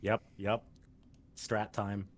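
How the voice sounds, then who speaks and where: A man's voice: lowish voice, little pitch movement, very slow. A man playing a tabletop game, chatting casually and joking as he plays.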